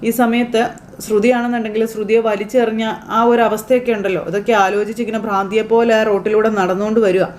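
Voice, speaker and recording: A woman's voice: medium pitch, little pitch movement, fast talker, a little mellow, a little hiss or hum. Chatty woman retelling a TV serial. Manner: chatty, with repeated tag fillers and loose restarts. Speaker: serial recap narrator. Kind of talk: casual retelling of a TV serial episode.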